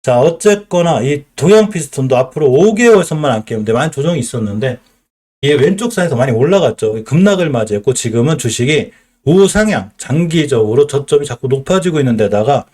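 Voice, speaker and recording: A man's voice: medium pitch, expressive, fairly quick, mellow. A middle-aged man with a Chungcheong accent, teaching stock charts on a live stream, explaining and asking and answering his own questions. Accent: Chungcheong Korean.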